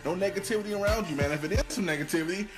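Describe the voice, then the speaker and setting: Casting: male motivational video creator, fairly high voice, upbeat pep talk, music behind. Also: rapid-fire. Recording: music playing over the voice.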